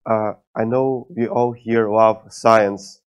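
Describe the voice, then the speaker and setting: A man's voice: lowish voice, steady tone, takes it slowly, clear, resonant tone. A man gives a prepared conference lecture in a dry, joking way. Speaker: guest lecturer. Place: lecture hall. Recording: dull, lo-fi lecture mic.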